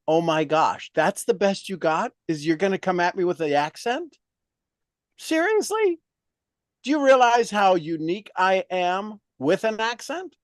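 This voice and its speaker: Man, sales coach, motivational, emphatic, slightly high, dry. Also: no room sound. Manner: emphatic, animated, preaching-like.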